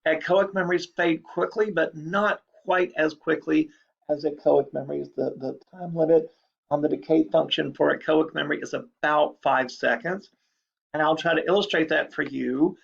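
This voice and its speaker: A man's voice: on the high side, fairly even intonation, moderate pace, vocal fry. A man giving a recorded lecture in a chatty, explanatory way, repeating key points. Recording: dull lo-fi recording.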